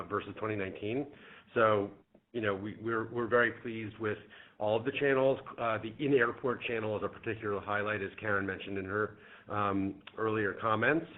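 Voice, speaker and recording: A man speaking as a company executive, giving careful, measured answers on an earnings call. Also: lowish voice. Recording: muffled phone-line conference call.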